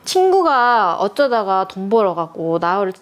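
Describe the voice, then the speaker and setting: Middle-aged woman from North Korea, guest; soft and calm, medium voice. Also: mid-range voice, unhurried. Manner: calm, quiet, gentle. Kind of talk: soft-spoken personal storytelling.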